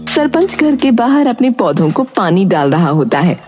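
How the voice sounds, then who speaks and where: A woman's voice: medium pitch, sing-song, normal speed, a little mellow. A woman reading scripted narration of a dramatic moral story. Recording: music under the voice. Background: music.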